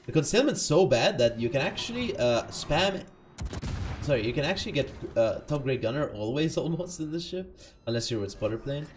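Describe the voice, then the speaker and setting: A man's voice: on the high side, lively intonation, fairly quick, slight background noise. A man giving casual live commentary over his own gameplay, chatty and self-correcting, having just woken up. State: just woke up.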